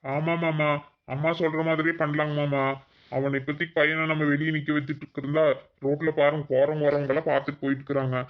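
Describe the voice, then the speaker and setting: A man's voice: a little high, level tone, fast, highs cut off, natural voice. A man voicing a middle-aged village father in a cartoon, with a Kongu Tamil accent, patient and persuasive. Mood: persuading.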